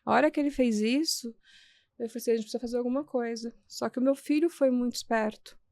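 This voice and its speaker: A woman, a guest on an interview podcast, earnestly recounting events step by step, with frequent restarts and halting repetitions. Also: on the high side, a little mellow, no echo, clean studio sound. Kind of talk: personal storytelling in a podcast interview.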